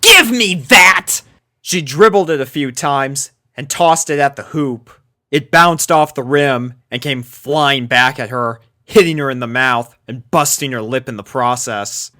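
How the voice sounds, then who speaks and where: A man's voice: mid-range voice, unhurried, pushed and bright. A man reading a scripted fan-fiction story aloud as narrator.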